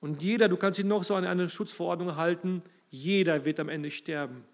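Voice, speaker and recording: A man delivers a sermon in a fairly high voice. He speaks with emphasis, his loudness swells and drops, and he addresses his listeners directly. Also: a little fast. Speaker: preacher.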